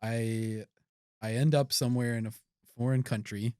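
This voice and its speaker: A male podcast co-host in casual comedic chat, bantering playfully with quick jokes and frequent laughs. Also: medium pitch, fairly even intonation, warm tone, smooth, no room sound, studio quality.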